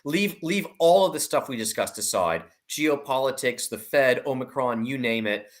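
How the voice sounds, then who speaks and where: A man giving opinionated market commentary in an online discussion, emphatic and deliberate, laying out his points in lists. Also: mid-range voice, lively intonation. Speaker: investment analyst guest.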